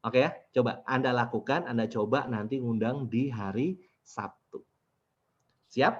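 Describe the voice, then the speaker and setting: A man's voice: mid-range voice, a little slow. A man leading a business workshop, talking to participants and asking them questions often. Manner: lively, keeps asking the audience questions. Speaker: business trainer. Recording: dull lo-fi recording.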